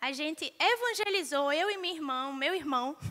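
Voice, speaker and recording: Using a raised, projected voice with a high pitch and very wide pitch swings, a woman speaks at a fairly slow pace. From Northeast Brazil, Recife. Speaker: missionary speaker at women's retreat. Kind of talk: sermon-style talk at a retreat.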